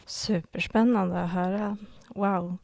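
A woman's voice: mid-range voice, fairly even intonation, creaky, darkish tone. A woman hosting a casual interview, speaking in an enthusiastic, encouraging manner. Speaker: interviewer, podcast host.

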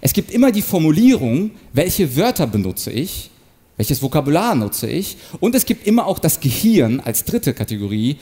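A man giving an animated, explanatory talk on manipulation and rhetoric, sometimes acting out short example quotes. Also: on the high side, moderate pace. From Ukraine. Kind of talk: stage talk to an audience.

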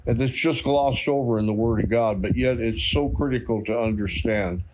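A man's voice: mid-range voice, moderate pace, noisy background. A man sharing a faith testimony, hesitating with many fillers but stating his convictions firmly. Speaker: church member giving a testimony.

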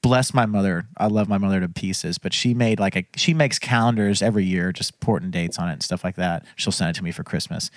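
A musician in his mid-twenties, from Florida, with a fairly low voice. He tells stories about himself with easy self-mockery and frequent laughter. The recording is dry and close. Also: fast, hardly any pauses, no echo. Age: 20s. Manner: self-deprecating, laughs often. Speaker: band member. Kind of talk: casual interview.

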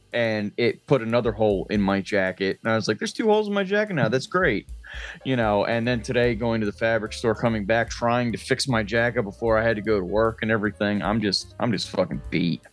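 Low-voiced man grumbling through casual chat. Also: brisk, faint music behind. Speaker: podcast co-host. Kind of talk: casual chat, swearing freely.

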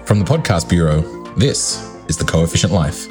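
A man's voice: low-pitched, lively intonation, normal speed, over music. A man co-hosting a podcast, reading a scripted introduction in an upbeat, announcer-like way. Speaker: podcast co-host.

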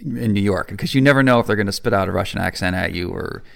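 A man co-hosting a podcast in casual chat, animated and quick to laugh. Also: fairly low pitch, gravelly. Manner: animated, quotes people in put-on voices, laughs easily. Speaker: podcast co-host.

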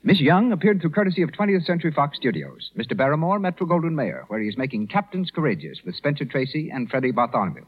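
A radio announcer from an old 1930s broadcast, reading credits in a brisk, formal manner with a lively, swooping pitch. His voice has a husky edge. The muffled vintage recording gives away the era. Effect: old 1930s radio broadcast sound.

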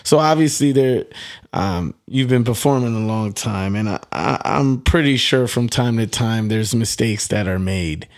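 A man's voice: lowish voice, measured pace. A man from the South Bronx, raised in Wisconsin, hosting a casual interview and asking rambling questions. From South Bronx, New York. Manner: friendly, backchannels a lot, rambling questions. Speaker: podcast host.

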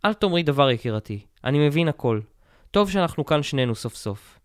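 A man voicing a gaunt French prisoner who speaks calmly and earnestly to his wife. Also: a little high, smooth, dry recording, clean studio sound, lightly acted. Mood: soothing. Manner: calm, soothing, earnest. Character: gaunt French prisoner husband, calm and brave.

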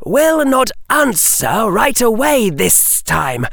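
A man's voice: high-pitched, big pitch swings, slow pace, vocal fry, a bit bright, dry recording, clean studio sound, pitched above the performer's own voice, exaggerated voice. A man voicing a clever young boy wizard who hisses his words in disbelief. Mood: cautious. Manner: hissing, disbelieving.

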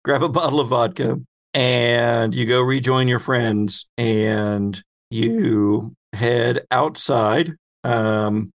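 A man hosting and narrating a tabletop game as game master, with deliberate, descriptive storytelling. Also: mid-range voice, fairly even intonation.

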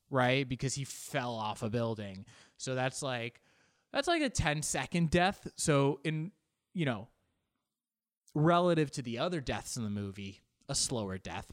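A man's voice: medium pitch, no room sound, clean studio sound. A man riffing in a comedic monologue, sarcastic and rambling, often restarting his sentences.

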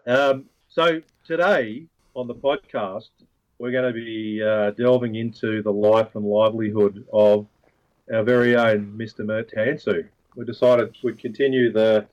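A man hosting a podcast in a relaxed, casual way, laughing often. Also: medium pitch, unhurried, muffled recording. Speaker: podcast host.

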